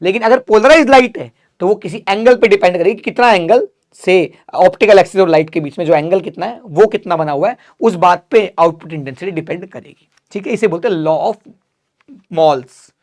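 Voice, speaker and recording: A man's voice: high-pitched, fairly quick. Male physics teacher, revision lecture, casual and direct, answers his own questions. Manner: asks students questions then answers them; calls students "beta", casual and direct.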